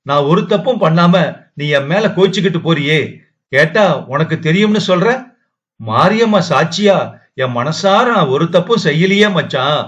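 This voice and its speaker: A man's voice: a little high, lively intonation, normal speed, fairly bright tone. A man voicing a feverish, distraught young wife who pleads and wails through sobs, in a dull lo-fi recording. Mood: tearful pleading. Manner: wailing, sobbing pleas. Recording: dull lo-fi audio.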